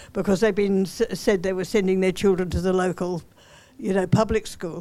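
Someone with an Australian accent speaks at a fairly quick pace in a very clean recording with a silent background. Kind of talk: audience comment. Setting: stage with audience.

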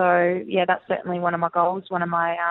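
A woman with an Australian accent speaks in a medium pitch. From South Australia, Mount Gambier. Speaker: professional footballer. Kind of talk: radio interview.

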